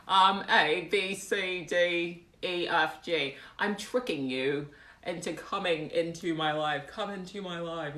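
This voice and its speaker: Slow-talking woman with a put-on British accent. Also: sits low, fairly bright tone. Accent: put-on, amateur British. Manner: self-deprecating, wry. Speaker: live streamer. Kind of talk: casual livestream chat, reading out comments. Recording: roomy indoor echo.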